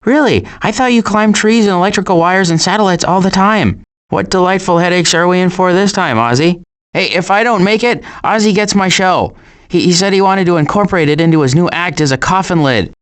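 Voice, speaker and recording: A man's voice: high voice, brisk, clear, resonant tone, lightly acted. A man as a cautious, sarcastic cartoon turtle. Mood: dry, wry. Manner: dry, hesitant, wry understatement. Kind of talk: animated video game voice acting.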